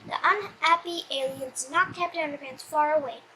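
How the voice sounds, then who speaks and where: A child reading a comic storybook aloud in an animated, slightly stumbling way. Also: high-pitched, moderate pace, a little hiss or hum, poor audio.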